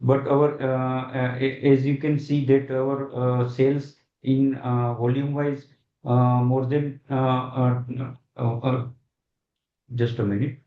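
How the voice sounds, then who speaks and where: A man with an Indian accent answering questions as a company executive on a conference call, speaking hesitantly with very frequent filled pauses. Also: medium pitch, level tone. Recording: dull, echoey conference call audio.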